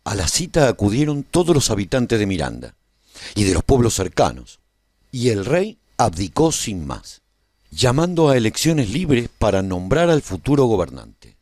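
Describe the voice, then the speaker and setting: Animated, expressive male storyteller. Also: mid-range voice, moderate pace, no room sound, clean studio sound. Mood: earnest, reflective. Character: male survivor recounting the rebuilding of a post-apocalyptic world. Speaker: narrator of a radio serial. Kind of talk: scripted dramatic first-person narration.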